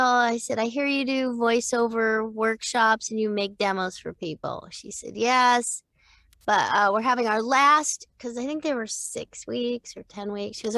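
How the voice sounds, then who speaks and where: A woman's voice: on the high side, a bit bright, no room sound. A woman in her fifties, a voice actor, telling long rambling stories in a casual interview, with many restarts and little quoted voices. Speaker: voice actor guest.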